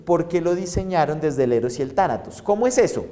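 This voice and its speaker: A man's voice: on the high side, expressive, brisk, dark tone. A man giving a university psychology lecture, acting out inner voices and asking rhetorical questions. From Colombia. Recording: reverberant hall recording.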